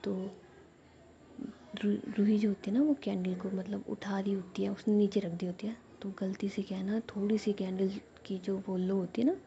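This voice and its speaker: A woman's voice: medium pitch, little pitch movement, moderate pace, mellow, lo-fi sound, a little hiss or hum. Whispering woman telling a love story. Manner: whispered, rambling narration with many fillers. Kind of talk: whispered role-play.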